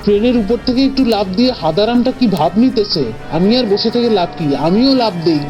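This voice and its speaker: A woman voicing a sceptical, scolding young boy in an animated cartoon, speaking in a bossy, colloquial way. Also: mid-range voice, fast, lo-fi sound, faint music behind, natural voice. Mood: urgent.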